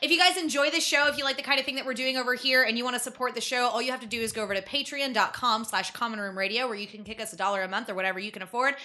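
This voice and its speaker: A woman's voice: on the high side, rapid-fire, few pauses, sharp tone. A woman hosting a casual podcast discussion with an enthusiastic, informal manner. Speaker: podcast host.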